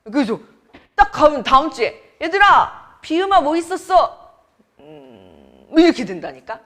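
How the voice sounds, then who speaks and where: A young woman teacher from Seoul talking to her class, with a slightly high and very animated voice that swoops up and down. She chats, teases and quizzes the students as she works through the lesson in a classroom. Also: measured pace. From Seoul, South Korea. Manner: chatty, teasing, quizzes students. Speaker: academy Korean teacher. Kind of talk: classroom lecture.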